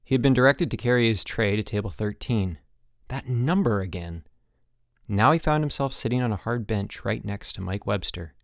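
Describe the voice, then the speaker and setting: A male narrator reads a story in an expressive, scripted style. His intonation is animated and moves around freely. The sound is dry, with very little room in it. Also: on the low side, moderate pace, creaky, no echo. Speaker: audiobook narrator.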